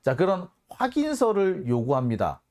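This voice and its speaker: Man, host, court commentary, emphatic, conversational, lively pitch. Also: moderate pace. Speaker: host and legal affairs reporter.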